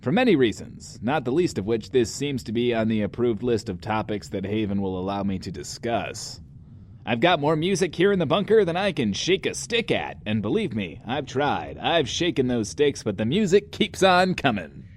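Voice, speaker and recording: An actor playing a flamboyant, self-important joker of a radio DJ in an audio drama, with theatrical wordplay. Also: male voice, mid-range voice, sing-song, normal speed, a little hiss or hum, close to an everyday voice. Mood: jaunty, showy. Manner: hesitant stammers, theatrical wordplay. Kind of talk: in-world radio show host in an audio drama.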